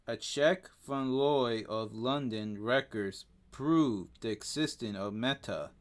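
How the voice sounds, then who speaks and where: A man with a Spanish accent, a native Spanish speaker, co-hosting a casual podcast and reading out facts haltingly, stumbling over names with plenty of fillers. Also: mid-range voice. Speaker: podcast co-host.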